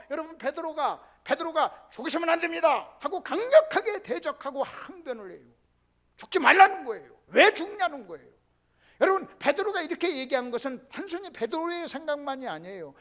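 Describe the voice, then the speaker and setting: A male pastor preaching a sermon lecture, emphatic, keeps calling out to the congregation, and sometimes drops to a hushed whisper. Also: extremely high pitch, big pitch swings, brisk.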